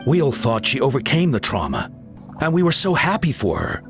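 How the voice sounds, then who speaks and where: A man's voice: mid-range voice, big pitch swings, a little fast, soft background music, lightly acted. A man voicing a grave, caring tribal leader in a video game, telling things as dramatic storytelling. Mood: solemn, sorrowful.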